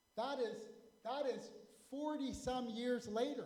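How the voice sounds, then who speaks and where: In a room with audible echo, a man speaks at an extremely high pitch with monotone, flat intonation. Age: 60s. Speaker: pastor. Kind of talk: sermon. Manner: halting.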